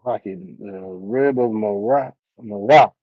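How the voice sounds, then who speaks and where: A man's voice: fairly low pitch, takes it slowly, no echo, narrow, tinny audio. A man teaching an online class, talking loosely with many fillers and restarts.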